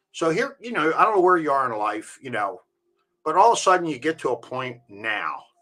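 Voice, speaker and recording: A man speaks at a fairly quick pace with a bright, sharp tone. His pitch swings very widely, and there is vocal fry. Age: 60s. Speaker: real estate appraiser and network marketer. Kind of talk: sales pitch presentation. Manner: halting, many fillers.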